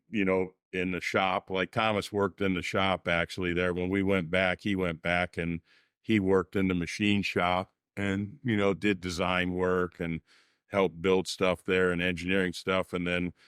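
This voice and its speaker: Middle-aged guy, deep and even, smooth tone, lots of "you know", dry sound. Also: no room sound. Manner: halting, filler-heavy, matter-of-fact. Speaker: racing crew chief, guest. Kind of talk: casual interview answers.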